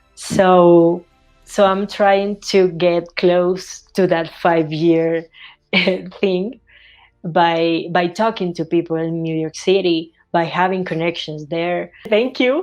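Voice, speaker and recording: In a Venezuelan accent, a woman talks at a very slow pace with a fairly low pitch. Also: fairly even intonation. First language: Spanish. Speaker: graphic designer. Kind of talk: interview. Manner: halting, with repetitions and fillers.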